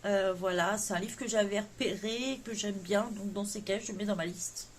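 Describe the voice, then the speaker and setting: A woman's voice: mid-range voice, steady tone, moderate pace, a little hiss or hum. A woman vlogger chatting casually about her wish list, with many hesitant fillers. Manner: jokes about her English accent. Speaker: coloring vlogger. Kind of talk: casual chat.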